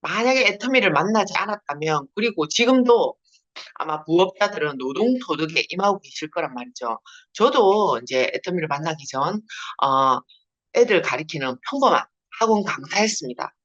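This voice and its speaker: Her voice sits low but sounds animated and fairly bright as this Busan woman, strongly accented in Gyeongsang dialect, runs a network marketing seminar at a moderate pace. The video call audio is dull and lo-fi, and she chats and laughs frequently.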